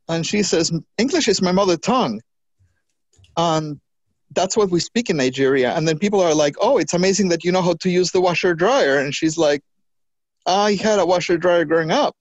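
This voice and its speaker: Lively trans woman guest, dry close sound. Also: lowish voice, dry recording, highs cut off. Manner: animated, quick restarts, acts out quoted voices. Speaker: podcast guest. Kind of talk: conversational interview.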